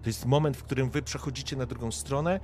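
A man's voice: mid-range voice, steady tone, fast, darkish tone. A man running a tabletop game as game master, describing scenes directly to the players with frequent hesitations.

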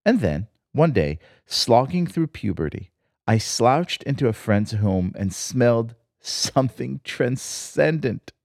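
Lively wry man narrating a personal essay. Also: medium pitch, a little slow, gravelly, dry recording, studio quality. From Israel. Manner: reflective, wry and lyrical storytelling. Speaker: host.

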